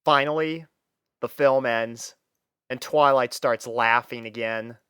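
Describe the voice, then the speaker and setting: A man narrating a first-person story from a script in an expressive storytelling manner. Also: medium pitch, slow, clean tone, no room sound, studio quality.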